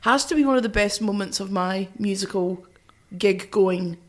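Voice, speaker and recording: A woman co-hosting a podcast, telling anecdotes casually in an effusive, expressive way. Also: medium pitch, moderate pace. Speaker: podcast co-host.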